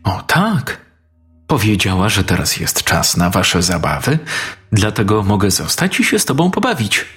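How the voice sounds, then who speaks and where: A man voicing a creepy, ever-smiling ghost boy in a spoken horror story, talking softly and slyly. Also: on the low side, big pitch swings, moderate pace, breathy edge, heavily acted. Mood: coaxing. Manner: soft, sly and coaxing.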